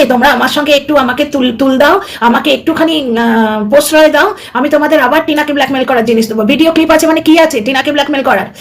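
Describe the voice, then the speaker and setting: A middle-aged woman with a headache doing a heated, rambling commentary vlog, scolding and indignant. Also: high-pitched. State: has a headache. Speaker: YouTube commentary vlogger. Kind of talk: heated casual commentary monologue.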